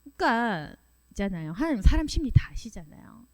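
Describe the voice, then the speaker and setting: A woman's voice: a little high, big pitch swings, fairly quick. A woman preaching at a Friday prayer meeting, emphatic and full of rhetorical questions, acting out the voices she quotes.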